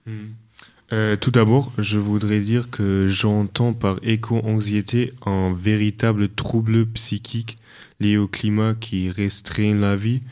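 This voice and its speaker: A man from Dresden, German by first language, speaking French on a radio panel in a deliberate, careful way. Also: lowish voice, flat delivery, darkish tone, clear, resonant tone.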